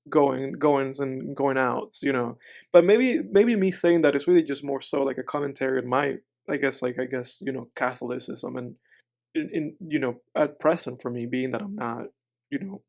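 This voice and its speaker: A man's voice: medium pitch, darkish tone. A young man from the Republic, co-hosting a casual podcast chat over a remote call, talking in a rambling, hedging way full of fillers. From Dominican Republic. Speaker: podcast co-host.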